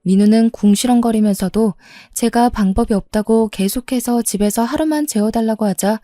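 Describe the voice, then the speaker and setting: A woman narrating a first-person story in a steady, confiding retelling. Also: fairly high pitch, normal speed, no room sound.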